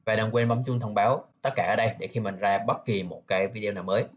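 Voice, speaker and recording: Guy rattling through a how-to, kinda low voice, talks to viewers like friends, dull lo-fi sound. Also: steady tone, fast. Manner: chatty, addresses viewers directly, ends sentences with friendly tag particles. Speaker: tech tutorial host. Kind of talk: casual screen-recorded tutorial narration.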